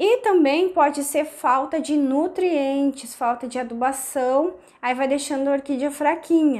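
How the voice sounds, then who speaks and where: Speaking at a fairly slow pace with hardly any pauses, a woman uses a high pitch and ordinary pitch variation. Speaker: orchid-growing YouTuber. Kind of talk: tutorial. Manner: casual.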